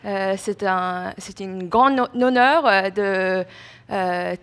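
Young woman, Chinese accent, slow and hesitant church testimony, nervous. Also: medium pitch, clear, resonant tone. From China. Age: young adult. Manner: hesitant, many fillers and restarts. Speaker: student giving testimony.

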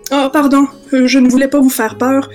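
A woman with a Québécois accent voicing a male ranger who explains things calmly and patiently. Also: high-pitched, brisk, faint music behind, lightly acted.

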